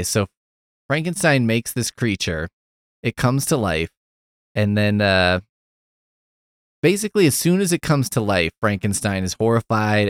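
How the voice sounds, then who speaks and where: Wry, low-voiced man, dry sound. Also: clean tone, dry recording. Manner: animated, sarcastic storytelling with swearing; rambling, heavy on fillers and asides. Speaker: podcast host. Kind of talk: casual podcast chat.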